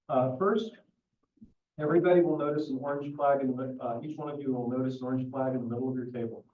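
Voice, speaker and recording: A man acting as mayor, opening a public council meeting. He talks slowly and projects his voice without yelling, with no microphone in a meeting room. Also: medium pitch. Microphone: no microphone, picked up from a distance. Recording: echoey, distant, dull sound.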